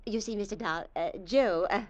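An actress playing a gushing, jewel-hungry American widow in an old radio drama, eager, hesitant and flustered. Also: female voice, medium pitch, normal speed, muffled recording, natural voice.

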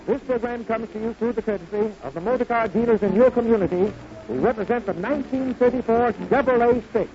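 A man's voice: very high-pitched, brisk, dull audio, music in the background. A man giving a formal old-time radio announcer delivery in the style of the 1930s. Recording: noisy band-limited 1930s radio recording.

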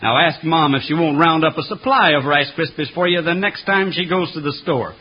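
Announcer as folksy chuckwagon cook pitchman; raised voice, vintage broadcast sound. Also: brisk, breathy edge, highs cut off. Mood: hearty. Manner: hollering cowboy slang, singsong jingle delivery. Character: folksy cowboy camp cook pitchman, male. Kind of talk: vintage radio ad. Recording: old radio recording over music.

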